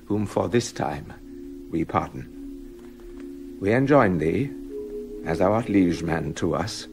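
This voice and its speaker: A man's voice: deep voice, animated, slow pace, music in the background, exaggerated voice. An older actor playing a jealous, tyrannical king in a radio drama, commanding and stern. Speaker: King Leontes.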